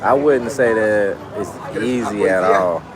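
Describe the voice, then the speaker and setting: On a street at night among the bars, a male travel vlogger with a lowish voice rambles casually to the camera at a measured pace, peppering his talk with "like." Loud music from nearby bars and a crowd fill the outdoor audio.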